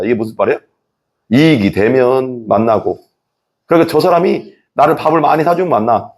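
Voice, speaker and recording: A man in his thirties preaching a sermon as a pastor, acting out quoted thoughts with laughs. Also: on the high side. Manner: lively, acts out quoted inner thoughts with laughs.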